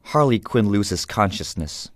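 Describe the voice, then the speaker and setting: A man narrating an audio drama in an ominous, measured, scripted style. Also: fairly low pitch, expressive, no room sound, studio quality. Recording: loud music under the voice.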